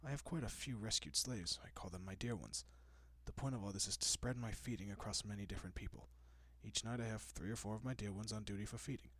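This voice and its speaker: A man playing a gentle, courteous, possessive vampire in an intimate audio roleplay, speaking softly and often dropping to a whisper with hushed reassurance. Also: fairly low pitch, fast, few pauses, no room sound. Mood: calm, explaining. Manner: hushed, reassuring, politely old-fashioned.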